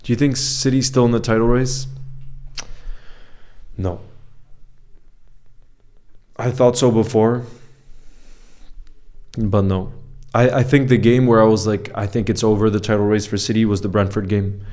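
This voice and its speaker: With mixed French and Icelandic heritage, this man speaks in a low, fairly even, slightly mellow voice at a measured pace with long pauses. He chats casually on a football live stream, reading comments, greeting people by name and often repeating himself.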